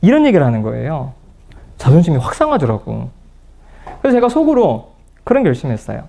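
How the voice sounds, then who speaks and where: Animated high-voiced man lecturing. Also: a little fast, creaky. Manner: lively storyteller who acts out quoted dialogue. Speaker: psychology lecturer. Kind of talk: public lecture, personal storytelling. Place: lecture room at a counseling center.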